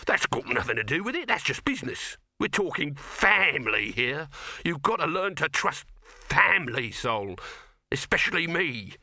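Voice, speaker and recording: A man's voice: a little high, big pitch swings, moderate pace, pushed and bright, no echo, clean studio sound, pitched above the performer's own voice, full character voice. A man voicing a slick, scheming middle-aged male salesman who whines and wheedles. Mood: pushy. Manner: wheedling, self-pitying, pushy.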